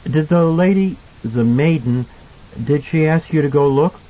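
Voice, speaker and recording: Guy doing a polite little boy for an audiobook, pitched up, husky, earnest n a bit timid, muffled audio. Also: measured pace, dark tone. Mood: candid, curious. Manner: polite, candid, tentative. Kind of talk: audiobook character dialogue.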